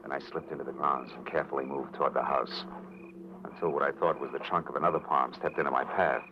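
Casting: hard-boiled detective, very low voice, brisk pace, dry wisecracks, vintage radio noir. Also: male voice, steady tone, noisy background. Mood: cool narration. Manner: hard-boiled, clipped, sardonic. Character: tough, wry, wisecracking male American private eye. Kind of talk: 1940s radio noir narration and dialogue. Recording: muffled old radio recording, loud music behind.

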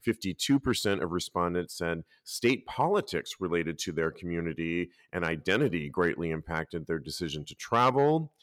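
A man hosting a casual podcast, talking lively and reading out articles and listener posts. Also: deep voice, moderate pace, few pauses, no room sound, studio quality. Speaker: podcast host.

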